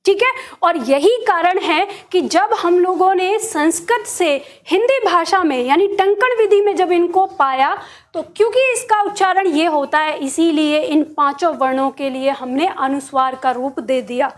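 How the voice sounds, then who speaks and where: In a classroom lesson, an Indian woman with a very high voice teaches at an unhurried pace. She's patient and goes step by step, often checking that her students follow.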